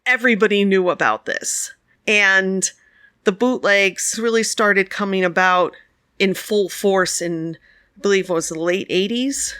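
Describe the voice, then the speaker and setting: A chatty woman co-host with a bright, forward voice, telling stories and laughing often. Her voice sounds close and dry. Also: medium pitch, fairly even intonation, a little slow, clean tone, dry recording. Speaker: podcast co-host. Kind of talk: casual conversation.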